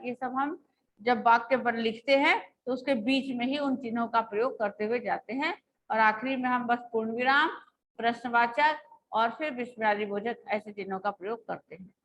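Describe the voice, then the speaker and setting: A woman school teacher giving an online class lecture, explaining patiently and slowly with examples over a video call. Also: a little high, a bit bright, slight background noise.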